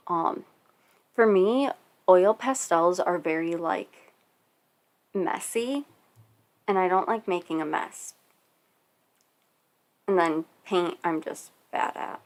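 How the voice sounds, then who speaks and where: A young woman talks quietly and unhurriedly as she draws on a home stream, her voice sitting a little low. She hesitates often with soft ums. The sound comes through a cheap desktop condenser mic. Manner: speaks quietly and softly, with many hesitant ums. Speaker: art streamer. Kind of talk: casual chat while drawing. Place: at home, family nearby.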